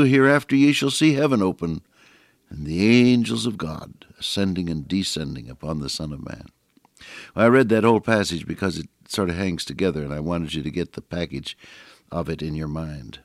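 A male radio Bible teacher with a slightly gravelly voice, reading scripture aloud with rising emphasis and folksy asides. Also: low voice, no room sound, clean studio sound.

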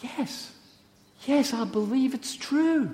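A man's voice: very high-pitched, sing-song, measured pace, darkish tone, pitched above the performer's own voice, exaggerated voice. A man voicing an earnest teenage girl who protests and insists emphatically in a dramatic Bible story. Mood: hushed conviction. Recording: long echoing hall reverb.

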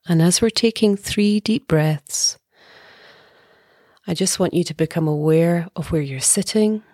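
A middle-aged woman leading a guided meditation as a teacher, speaking softly and breathily in a calm, gentle way with long pauses. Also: lowish voice, no room sound, clean studio sound. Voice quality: soft, breathy.

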